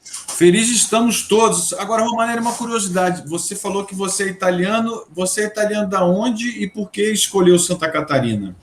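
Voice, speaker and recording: High-voiced man hosting an echoey live chat. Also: brisk, slight background noise. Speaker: host, live-stream mediator. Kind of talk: casual online panel chat.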